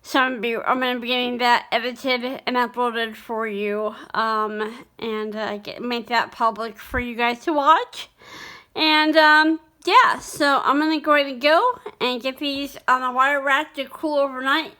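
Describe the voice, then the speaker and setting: Home baking vlogger, woman, high bright voice, loose chatty delivery full of ums. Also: steady tone, measured pace. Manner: rambling, many fillers and restarts. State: hiccuping. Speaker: cooking channel host. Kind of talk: casual vlog chat.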